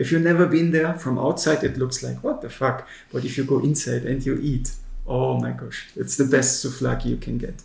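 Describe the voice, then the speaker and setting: The speaker is a man with a German accent. He keeps to a moderate pace. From Germany, Hannover. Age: 30s. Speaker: IT consultant. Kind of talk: interview.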